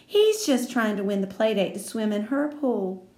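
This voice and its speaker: A woman's voice: medium pitch, sing-song, normal speed, mellow, natural voice. A woman reading aloud and voicing a bossy, determined little girl who scolds firmly. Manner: firm, scolding. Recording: roomy echo.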